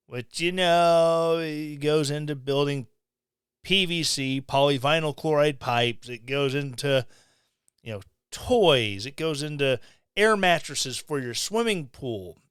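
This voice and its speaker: Middle-aged guy ranting on his podcast, sarcastic, smooth voice, dry close mic at home. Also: a little high, a bit bright, no room sound. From Missouri, USA. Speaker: podcast host. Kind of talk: opinion commentary. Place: small home room. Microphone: studio mic on stand, close.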